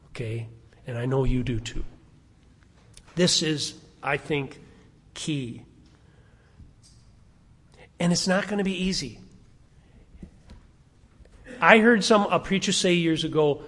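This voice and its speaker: A man's voice: medium pitch, a bit bright, husky, big-room sound. A man in his sixties preaching a conversational sermon to his congregation, often putting questions to them. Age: 60s. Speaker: pastor. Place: church sanctuary.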